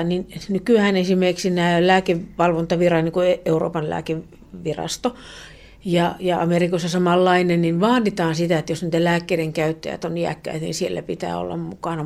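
Speaking in a lowish voice, this woman professor is a radio interview guest who explains earnestly. Her speech is full of fillers and false starts, and she frequently lets her sentences fade away softly.

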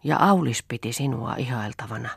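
A woman's voice: a bass voice, expressive, creaky, slightly rough, no room sound, clean studio sound, full character voice. A woman reading as a defiant headstrong young woman. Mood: scornful. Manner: challenging, rhetorical, mocking.

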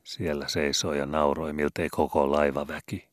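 A man reading a story aloud in calm, measured scripted narration. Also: a bass voice, no room sound, clean studio sound. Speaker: audiobook reader.

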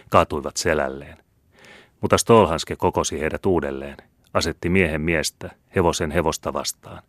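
A man reading a classic novel aloud as an audiobook narrator, in a measured, even manner. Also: very deep voice, no echo, studio quality. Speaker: audiobook reader. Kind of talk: scripted literary audiobook narration.

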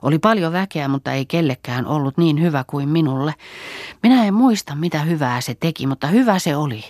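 Earnest, gentle young farm girl, devout read by a woman narrator, dry close sound. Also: sits low, expressive, no room sound.

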